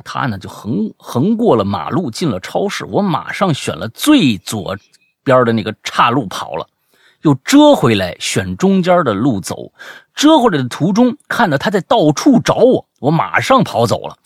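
Animated male storyteller. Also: medium pitch, moderate pace, breathy edge, no echo, clean studio sound. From Beijing. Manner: animated, exclamatory, peppered with "啊" fillers. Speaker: comic storyteller. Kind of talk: comic storytelling monologue.

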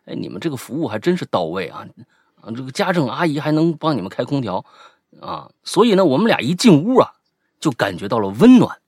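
A man co-hosting a casual podcast, reading out a listener's ghost story with lively asides and banter. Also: mid-range voice, a little fast, husky, no room sound, clean studio sound. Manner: lively, animated retelling with asides.

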